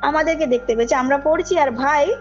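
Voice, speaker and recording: High-voiced woman storyteller on muffled call. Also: brisk. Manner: emphatic, checks the listener follows. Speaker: caller telling a personal ghost story. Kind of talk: animated informal storytelling. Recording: muffled call audio under loud music. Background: background music.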